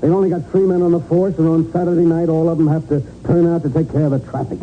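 Man playing high-voiced, excitable police sergeant. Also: quick pace, natural voice. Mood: insistent, frustrated. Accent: American. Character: earnest, dogged, excitable male police sergeant. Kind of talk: 1940s radio crime drama acting. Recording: narrow-band 1940s radio with faint noise.

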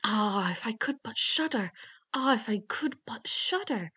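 A woman's voice: fairly high pitch, sing-song, normal speed, a bit bright, pitched above the performer's own voice. A woman voicing a simple, stubborn, fearless young man in a fairy tale, speaking in a naive and emphatic way. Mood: wistful.

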